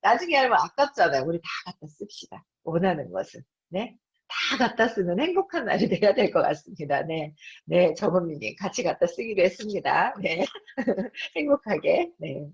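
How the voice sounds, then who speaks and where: Woman in her fifties, book talk host, lively pitch, breathy, dull lo-fi sound. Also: moderate pace. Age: 50s. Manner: animated, acts out her own thoughts and voices. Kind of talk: live-streamed book talk to an audience.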